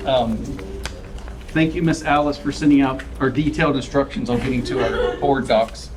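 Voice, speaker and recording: Poor audio captures a committee chair guiding a public meeting through its agenda at a normal speed, his medium-pitched voice fairly even. He keeps the small talk homespun and gets sharp once he starts asking questions.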